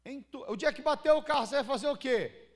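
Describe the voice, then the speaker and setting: A Brazilian pastor with a fairly high voice preaches a sermon to his church. He talks in a loose, conversational way, acting out stories and asking the congregation questions. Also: fast. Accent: Brazilian Portuguese. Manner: conversational preaching with acted-out anecdotes and rhetorical questions.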